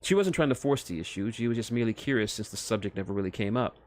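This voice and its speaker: A man's voice: on the low side, lively intonation, racing. A man reading a story aloud live as narrator, stumbling over words now and then and rereading them. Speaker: streamer reading fan fiction aloud.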